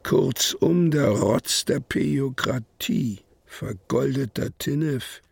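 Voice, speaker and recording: A man playing a brooding poetic narrator in a literary radio drama, declaiming in deliberate short phrases. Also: medium pitch, vocal fry, darkish tone, slightly rough, no room sound, exaggerated voice. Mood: wry, observing. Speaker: actor reciting poetry.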